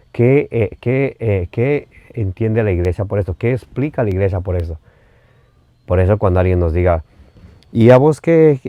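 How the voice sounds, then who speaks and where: A man from Ecuador with an Ecuadorian Spanish accent, teaching a Catholic sermon. He reads citations deliberately and pauses with fillers as he explains. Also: lowish voice, no room sound, phone-quality sound. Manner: reads scripture references slowly, often hesitates with fillers. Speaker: preacher.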